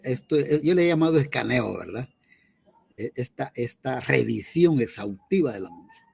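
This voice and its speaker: Patient teacher, lively pitch. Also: male voice, gravelly, breathy edge. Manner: explains patiently, checks in with "¿verdad?" often. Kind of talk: online class lecture.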